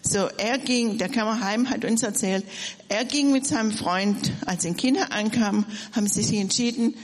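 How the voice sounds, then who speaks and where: A woman with a fairly high, husky voice tells a personal story as a sermon. She speaks straight to her listeners. Her voice rings with the long reverb of a large hall. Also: moderate pace. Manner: storytelling, addresses listeners directly. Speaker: preacher. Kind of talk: sermon testimony.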